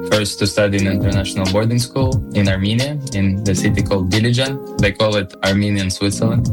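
A young man from Russia, a guest introducing himself in a relaxed, matter-of-fact way. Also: lowish voice. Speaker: guest, student project founder. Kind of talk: personal introduction. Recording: music playing under the voice. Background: music.

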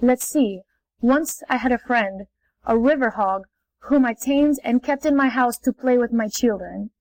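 A woman's voice: a little high, a little mellow, dry recording, low-quality recording. A woman voicing a weary stranded man who speaks sadly and thoughtfully, in a storybook reading. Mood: musing. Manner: sad, slow and musing.

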